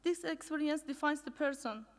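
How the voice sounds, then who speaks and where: A young woman from Iran, an English speaker, gives an earnest prepared conference speech with a few restarts. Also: sits high. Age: young adult. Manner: measured, earnest, reads from notes with restarts. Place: conference hall. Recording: long reverb of a lecture hall.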